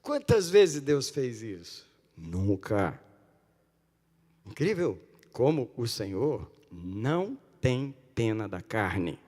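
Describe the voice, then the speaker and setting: A man preaching a sermon in a church, swinging from loud cries to hushed pleading. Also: medium pitch, sing-song, takes it slowly. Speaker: pastor. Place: church sanctuary. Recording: long church-hall reverb.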